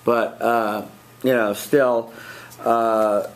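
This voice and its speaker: A man's voice: mid-range voice, little pitch movement, extremely slow, rough recording. A man teaching a speech class, giving spoken feedback in a loose, conversational way with fillers and restarts. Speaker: speech instructor.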